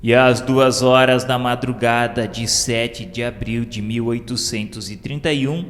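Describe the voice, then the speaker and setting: A man with a Brazilian accent narrating a radio drama in a solemn, measured way. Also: medium pitch, steady tone, a bit bright. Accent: Brazilian Portuguese. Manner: slow, solemn, measured delivery. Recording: long reverb with faint music.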